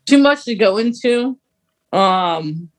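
A man's voice: high-pitched, animated, takes it slowly. A man co-hosting a podcast, chatting casually and informally as an enthusiastic fan of sci-fi books. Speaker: podcast co-host.

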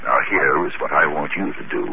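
A man's voice: extremely low pitch, a little fast. An actor playing a cold, ambitious scientist who persuades his assistant in a 1950s radio drama. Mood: scheming. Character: scheming, ambitious male mad scientist. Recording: tinny, noisy old radio recording.

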